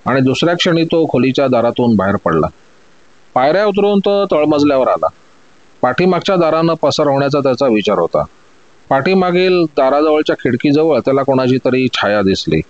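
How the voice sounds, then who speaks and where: A man narrating a story in a steady, measured scripted delivery. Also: mid-range voice, no echo, lo-fi sound.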